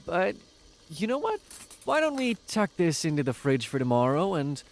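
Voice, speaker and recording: A man's voice: a little high, wildly swooping pitch, moderate pace. A man playing an affectionate, joking young boyfriend in a naturalistic audio drama. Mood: apologetic, coaxing.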